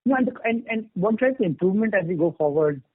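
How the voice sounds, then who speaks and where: A man's voice: high-pitched, lively intonation, quick pace. A man phoning in as an analyst to question company management, rephrasing himself as he goes. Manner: rambling, often rephrases. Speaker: investor or analyst asking questions. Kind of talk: questioning on an earnings call. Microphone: phone. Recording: muffled narrowband phone line.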